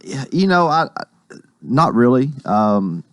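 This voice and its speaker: A man, a mayor on a guest spot, chatting in a friendly way with a slightly hoarse voice. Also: medium pitch, big pitch swings, slow pace, no echo, studio quality. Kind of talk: radio interview.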